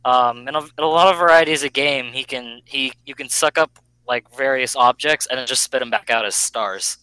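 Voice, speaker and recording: A man's voice: medium pitch, moderate pace, sharp tone, clear, resonant tone, no echo, low-quality recording. A young man in a casual chat, blunt and swearing casually.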